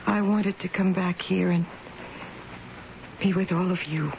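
An actress playing a weary, gentle middle-aged mother recovering in hospital in a radio drama, speaking haltingly with a creaky voice. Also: fairly low pitch, steady tone. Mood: wistful, puzzled. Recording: muffled radio broadcast with faint hiss.

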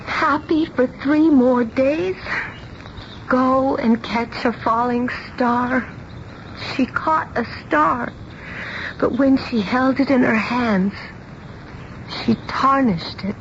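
High-voiced, distraught young bride. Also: female voice, slow, long pauses. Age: young adult. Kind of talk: vintage-style radio drama acting. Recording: dull lo-fi radio recording, faint noise.

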